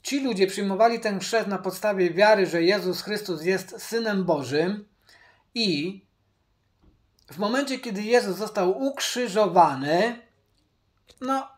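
A man teaching from the Bible, speaking deliberately, repeating his key points and addressing viewers directly. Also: sits high. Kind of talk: Bible study commentary.

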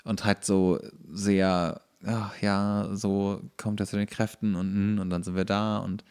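A man's voice: lowish voice, level tone, slow, a little mellow, clear, resonant tone. A man co-hosting a podcast, chatting informally and explaining things with firm opinions. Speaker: podcast co-host. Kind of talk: casual chat, explaining film trivia.

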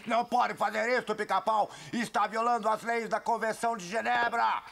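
An actor voicing a bossy, food-obsessed ant gang leader in a dubbed cartoon, commanding and gruff. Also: mid-range voice, steady tone, moderate pace, a bit bright, slight background noise. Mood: indignant.

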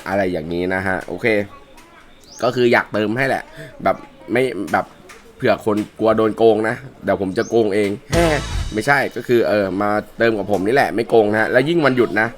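A man with a worn-out, hoarse voice hosting a casual game skin review, chatting along and pushing his voice lower than usual. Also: moderate pace. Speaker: mobile game channel host.

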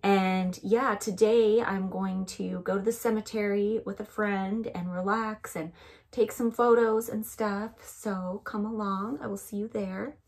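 Raspy, chatty woman vlogging at home. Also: mid-range voice, unhurried. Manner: chatty, relaxed, frequent "like" and "um". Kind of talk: casual vlog chat to camera. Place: home rooms and outdoors at a cemetery.

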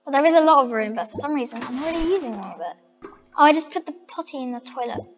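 A vlogger chats to her viewers while decorating a house in a game, thinking aloud in casual commentary. She talks fast in a high, expressive voice, and the sound suggests a large hall with faint music behind her.

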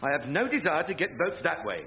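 A pompous, swooping English candidate. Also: male voice, a little high, huge pitch swings, fast. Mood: indignant. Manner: grandiose, aggrieved. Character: pompous, indignant, hapless male parliamentary candidate. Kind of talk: scripted radio sitcom acting before an audience. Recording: muffled, hissy comedy recording.

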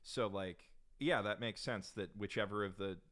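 A man's voice: fairly low pitch, moderate pace, fairly bright tone. A young adult man co-hosting a podcast at home, thinking aloud in a hesitant way with many fillers, close to a desk mic. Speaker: podcast co-host. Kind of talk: casual chat. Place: home studio room with bookshelves. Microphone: desk broadcast mic on boom arm.

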